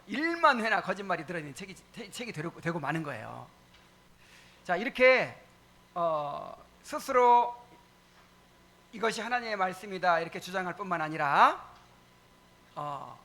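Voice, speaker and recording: Lively high-voiced pastor teaching. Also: male voice. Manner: asks the congregation questions, emphatic repetition; frequent fillers and pauses. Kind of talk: catechism teaching sermon.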